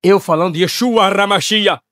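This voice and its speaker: A man's voice: moderate pace, no room sound. Man preaching a fiery Pentecostal sermon. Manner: shouting and swinging from loud high bursts to low quiet tones.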